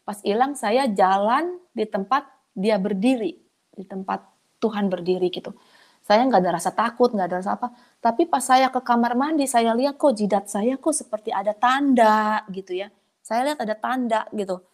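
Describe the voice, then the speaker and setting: A woman sharing a personal testimony in a casual, colloquial way, her voice leaping up when she gets excited. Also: moderate pace. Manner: animated, pitch leaping up in excited moments; colloquial, chatty delivery addressing listeners as friends. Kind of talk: conversational testimony storytelling.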